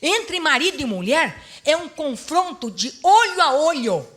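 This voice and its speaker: A middle-aged woman pastor preaches to a church seminar in a high voice. Her delivery swings between soft, confiding storytelling and loud, emphatic exhortation. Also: measured pace. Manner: lively storytelling, acts out quoted dialogue.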